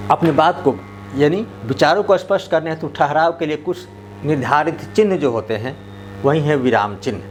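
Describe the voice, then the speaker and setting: A man teaching a grammar lesson who speaks slowly and deliberately and draws out example sentences to show where to pause. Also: a little high, slight background noise. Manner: slow, deliberate delivery, stretching out example sentences.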